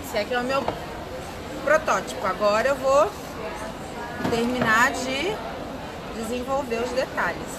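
A woman's voice: a little high, unhurried, pauses often. A young Brazilian woman giving a casual hands-on craft demonstration. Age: young adult. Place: craft booth in a large indoor fair. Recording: very loud crowd, noisy fair hall.

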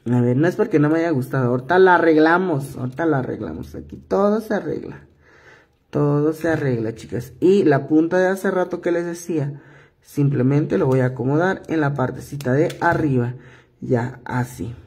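A man teaching a jewelry-making tutorial, hoarse from a cough, explaining each step patiently and repeating himself as he works. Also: on the high side, normal speed, darkish tone. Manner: patient, repetitive step-by-step instructing. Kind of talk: hands-on craft tutorial.

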